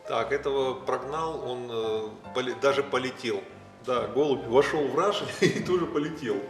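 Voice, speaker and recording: A man's voice: medium pitch, normal speed. A man casually commenting on what he watches, in a playful, jokey way. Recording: echoey, reverberant, music over the voice.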